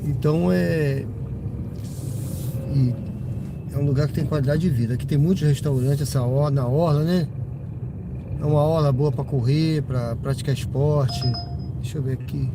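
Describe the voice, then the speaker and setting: Driving at night, a Brazilian rideshare driver live-streams a casual chat from his car, slightly congested with a cold and rambling along with plenty of tag questions. He speaks at a measured pace with a gravelly, medium-pitched voice, fairly even intonation and frequent pauses, while car and road noise fills the background.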